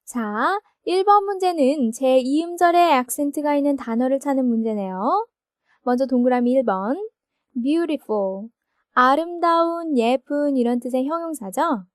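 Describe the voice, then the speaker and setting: A woman teaching English grammar in a recorded textbook lesson, explaining slowly and checking each point with her listeners. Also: high voice, no room sound, studio quality. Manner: slow, explanatory, asks confirming questions.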